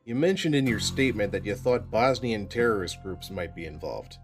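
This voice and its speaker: An actor playing a calm, polite but insistent police sergeant questioning a witness. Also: male voice, lowish voice, normal speed, music in the background. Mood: persistent. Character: male police sergeant, steady and persistent. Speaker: police investigator.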